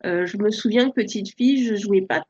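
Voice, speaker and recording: A soft-spoken woman in her forties, born in France, telling her story as an interview guest with many hesitations. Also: mid-range voice, brisk, breathy edge, highs cut off. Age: 40s. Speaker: podcast guest. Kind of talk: relaxed personal interview.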